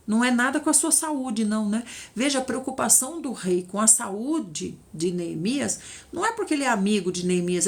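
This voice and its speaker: A middle-aged woman with a Brazilian Portuguese accent leading an informal Bible study, retelling the story in a chatty way and often checking in with her listeners. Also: on the high side. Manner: chatty storytelling, tag questions, lively retelling. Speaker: Bible teacher.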